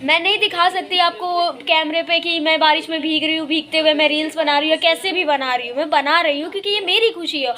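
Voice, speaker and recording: A woman's voice: very high-pitched, fairly even intonation, a little fast, hardly any pauses, bright, forceful tone. A young woman vlogging outdoors in a rainy park, talking defiantly to camera about negative commenters. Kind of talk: casual vlog talk to camera.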